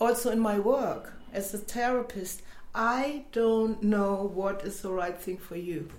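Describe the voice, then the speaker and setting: A woman with a German accent speaks at a fairly slow pace and fairly high pitch, with ordinary pitch variation. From Germany. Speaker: psychotherapist. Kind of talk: casual interview. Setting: in a home in Berlin.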